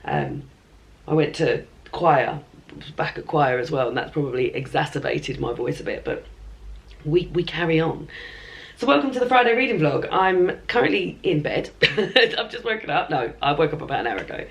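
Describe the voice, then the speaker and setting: Croaky woman chatting about books. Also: sits low, expressive, normal speed. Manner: chatty, meandering, with many ums and throat clearing. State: croaky, hoarse voice with a chesty cough. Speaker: book vlogger. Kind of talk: casual reading vlog chat. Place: in bed at home.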